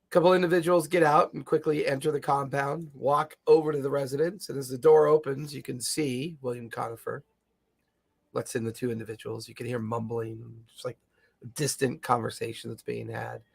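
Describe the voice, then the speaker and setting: Gravelly game master, a man. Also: mid-range voice, flat delivery, fairly quick. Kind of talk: improvised tabletop game narration.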